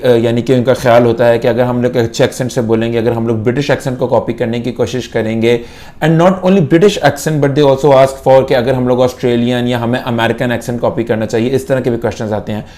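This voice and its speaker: A man's voice: medium pitch, fairly even intonation, fairly quick, darkish tone. A young Pakistani man, an IELTS instructor, gives a lesson to camera in Urdu mixed with English and repeats key points for emphasis.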